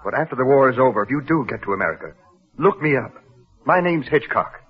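A man's voice: medium pitch, lively intonation, fast talker, husky. An actor playing a brave American airman, speaking directly, in 1940s radio drama style. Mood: earnest. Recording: muffled old radio with reverb.

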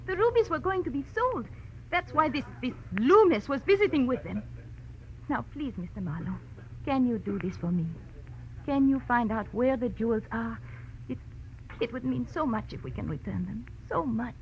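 High-voiced, imploring radio-drama heroine. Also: female voice, lively intonation, moderate pace. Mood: urgent pleading. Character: earnest, pleading Frenchwoman, refined, softly flirtatious client. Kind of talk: 1940s radio drama acting. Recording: dull old radio recording with faint noise.

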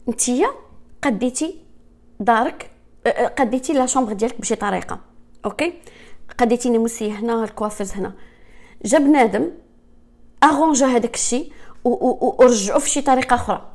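A woman with a Moroccan accent speaks to her viewers, rushing quickly through her words. Her voice sits a little high but has a warm, dark colour. She talks earnestly and slips French and English words in as she goes. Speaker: speaker sharing her own experience. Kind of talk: personal talk to viewers.

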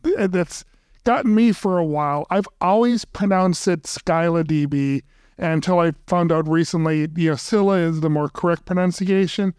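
A male podcast host asks questions in a friendly, conversational way, with a few fillers. His voice is smooth and resonant and a little higher than most men's. The sound is close and dry. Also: a little mellow, no room sound. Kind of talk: interview podcast hosting.

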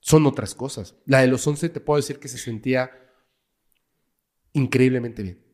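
A man with a Mexican Spanish accent and a mid-range voice tells a story as a podcast guest. He talks in a casual, dramatic way and sinks to a hush at the tense parts. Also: mid-range voice, normal speed. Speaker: guest, paranormal investigator.

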